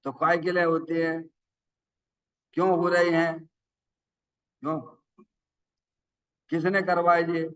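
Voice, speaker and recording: A man's voice: a little high, monotone, slow pace, long pauses, fairly bright tone, clear, resonant tone. A man giving a sermon in a folksy, chatty way, often asking the listeners whether they understood. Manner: folksy, asks the audience questions. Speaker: Jain preacher. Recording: dull sound from far off the mic.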